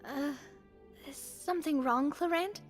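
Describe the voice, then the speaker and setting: A woman's voice: sits high, measured pace, soft background music. A woman playing an eager, earnest young adventurer in an anime video game. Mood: earnest, curious.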